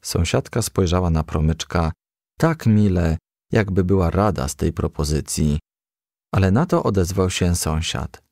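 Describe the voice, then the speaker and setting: A man's voice: sits low, animated, measured pace, gravelly, a little mellow, no echo, studio quality. A man reading a children's story aloud as scripted audiobook narration. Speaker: audiobook reader.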